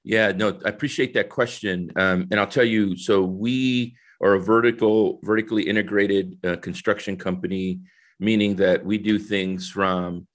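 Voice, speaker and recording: A man's voice: fairly low pitch, fairly even intonation, moderate pace. A middle-aged man from El Salvador, a guest in a conversational interview, explaining things earnestly and step by step. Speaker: guest, corporate diversity executive.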